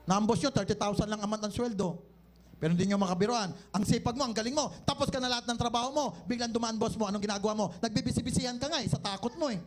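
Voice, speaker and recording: A company owner with a Filipino accent leads a live sales seminar, his voice sitting high for a man. He keeps the room going with banter and teasing, firing rhetorical questions at the listeners. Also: rapid-fire.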